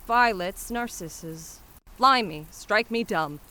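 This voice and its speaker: A woman voicing a brash, warm-hearted young Cockney flower seller who scolds and hawks her wares in a dramatic poem. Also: medium pitch, lively intonation, takes it slowly. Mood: scolding, exasperated. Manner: street-hawker cries, scolding and dropping h's. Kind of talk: dramatic poetry performance.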